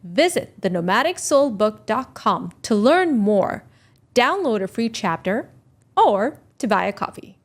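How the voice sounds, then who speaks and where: A woman's voice: mid-range voice, very animated, measured pace. A woman, the podcast host, reading an upbeat announcement. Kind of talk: scripted promo read.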